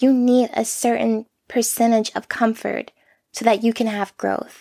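This woman's voice sits fairly high in pitch. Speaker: podcast host. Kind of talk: solo monologue, personal reflection. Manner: soft-spoken, laid back.

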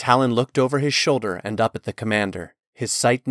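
The background is quiet. The speaker is reading aloud in a natural voice, with ordinary pitch variation.

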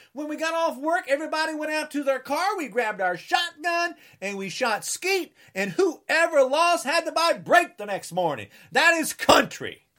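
A man speaks at a moderate pace in an American accent, his pitch extremely high for a man. His voice is raised and projected, with a bright, sharp tone and lively intonation. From New Jersey. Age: 60s. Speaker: podcast host. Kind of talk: angry political rant, shouted challenges and taunts, fiery and confrontational. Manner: loud, combative, repetitive, sarcastic, emphatic.

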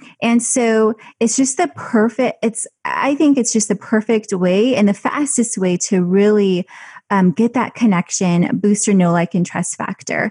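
Dark, mellow, and somewhat breathy, a woman's fairly high voice moves at a fairly slow pace with ordinary pitch variation and very even loudness. The sound is dry and close, with no echo. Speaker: filmmaker and video marketer. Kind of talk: interview.

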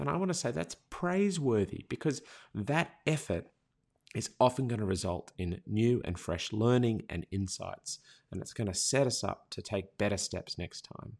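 At a moderate pace, a man with an Australian accent speaks at medium pitch with very wide pitch swings over a quiet background. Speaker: podcast host and education consultant. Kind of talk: scripted-style solo educational podcast monologue.

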